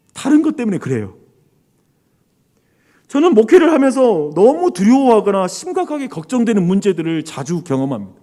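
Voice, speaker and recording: A male pastor preaching earnestly, asking his congregation questions and answering them himself, moving between loud emphasis and quiet, drawn-out phrases. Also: high-pitched. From South Korea. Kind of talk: sermon.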